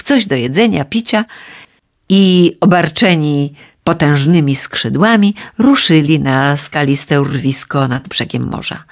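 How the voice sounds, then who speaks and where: A woman's voice: low-pitched, vocal fry. A woman narrating a myth for children, reading aloud expressively. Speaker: storyteller.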